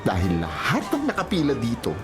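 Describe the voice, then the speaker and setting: Flamboyant, sassy gay wedding emcee. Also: male voice, mid-range voice, wildly swooping pitch, brisk. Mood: playful teasing. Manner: campy, theatrical, dramatic announcing. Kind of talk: radio drama acting. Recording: music behind the voice.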